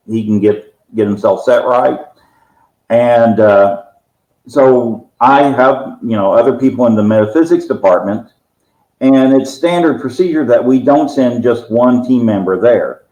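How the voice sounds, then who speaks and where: Man, echoey room, team leader, halting measured explanation, interview guest. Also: mid-range voice, darkish tone. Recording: roomy, echoing sound.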